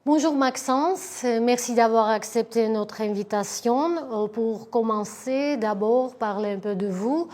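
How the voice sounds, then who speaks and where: A woman's voice: on the high side, a little slow, hardly any pauses, darkish tone. A woman hosting an interview, reading a formal scripted introduction before asking questions. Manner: formal, composed delivery. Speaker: interview host.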